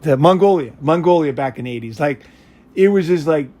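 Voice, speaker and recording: An American man with a somewhat higher-than-average voice talks in an off-the-cuff, conversational way. He rambles from thought to thought and puts things bluntly, swearing freely. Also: lively intonation, a little fast, warm tone. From United States. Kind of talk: casual chat.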